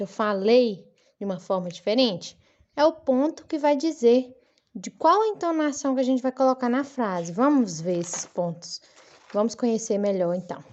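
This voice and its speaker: Bright-voiced woman teaching young children. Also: fairly high pitch, lo-fi sound. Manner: slow, clear, sing-song teacher voice addressing kids. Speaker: primary school teacher. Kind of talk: recorded online lesson for children.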